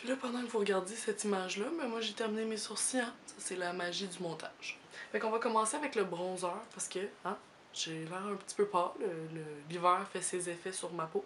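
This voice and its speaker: A soft-spoken woman with a Quebec accent, medium in pitch with ordinary pitch variation, amid noticeable background noise. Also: fairly quick pace. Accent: Québécois French. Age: 20s. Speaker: beauty youtuber. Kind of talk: makeup tutorial. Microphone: camera's built-in mic.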